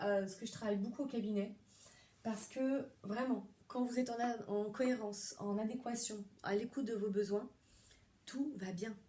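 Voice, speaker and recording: Middle-aged woman, therapist explaining things off the cuff, warm mellow tone, lots of hesitations. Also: medium pitch. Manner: chatty, rambling, many fillers and restarts. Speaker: psychotherapist. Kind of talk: casual monologue.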